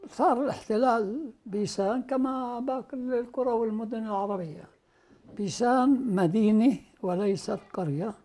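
A man in his nineties from Beisan with a Palestinian Arabic accent, speaking slowly and emphatically as he recounts his past in an indoor interview. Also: extremely high pitch, mellow. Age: 90s. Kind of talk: oral history interview. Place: indoor living room.

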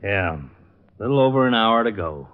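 An American man playing a gruff, world-weary police lieutenant in a 1950s radio drama. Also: fairly low pitch, expressive, normal speed, lightly acted. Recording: dull, noisy old radio recording with clicks.

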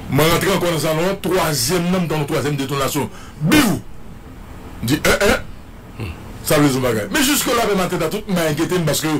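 A man's voice: on the high side, animated, brisk, a bit bright, slight background noise. A man with a Haitian French accent giving a dramatic, repetitive eyewitness account, imitating the sounds he heard. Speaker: guest commentator.

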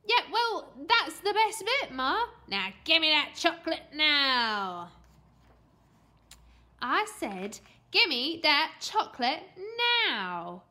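Woman voicing a bratty, whiny, high-pitched little boy. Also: big pitch swings, a little slow, few pauses, bright, forceful tone, exaggerated voice. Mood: sly. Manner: whiny, slangy, demanding. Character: bratty, greedy, demanding young boy with sly temper. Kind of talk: children's storybook character voice.

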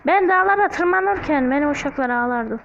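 High-voiced woman in a joking Black Sea accent. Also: animated, moderate pace, creaky, a bit bright, muffled recording, a little hiss or hum. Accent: put-on Black Sea Turkish. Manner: joking, chatty, talks to viewers, hums snippets. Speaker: gaming YouTuber. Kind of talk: casual gameplay commentary.

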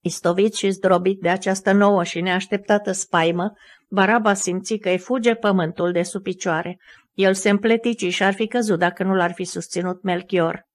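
A woman narrating a Christian novel as an audiobook. She reads at a steady, measured pace in a voice of middling pitch.

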